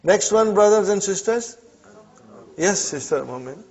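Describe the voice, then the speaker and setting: Man, language teacher, fairly high voice, keeps checking in with the class, muffled classroom recording. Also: animated, measured pace, slightly rough. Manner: checks in often with "huh?" and "brothers and sisters". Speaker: Arabic teacher. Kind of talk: classroom grammar lesson.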